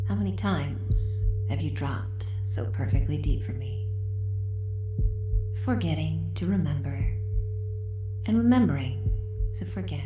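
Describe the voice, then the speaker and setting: A woman playing a mysterious, doting and possessive hypnotist caretaker in a soft, breathy, whisper-prone roleplay audio. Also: low voice. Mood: hypnotic, coaxing. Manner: slow, soothing, hypnotic, often dropping into whispers. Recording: echoing voice over ambient tones. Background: soft ambient music with humming tones.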